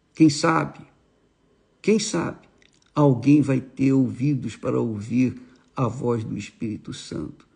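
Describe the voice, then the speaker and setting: A man talks at a very slow pace with ordinary pitch variation. His voice is somewhat breathy, with a dark, mellow tone. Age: 80s+. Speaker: preacher. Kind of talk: sermon.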